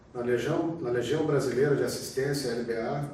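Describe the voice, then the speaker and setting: Against noticeable background noise and audible room echo, a man speaks fairly slowly, his fairly high voice held in fairly even intonation. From southern Brazil, Rio Grande do Sul coast. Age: 60s. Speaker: thoracic surgeon. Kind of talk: life-story testimony.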